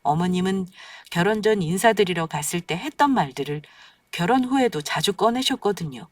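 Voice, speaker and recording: A woman's voice: fairly low pitch, animated, brisk, no echo, distant mic. A woman reading a scripted first-person story as a radio-style narrator.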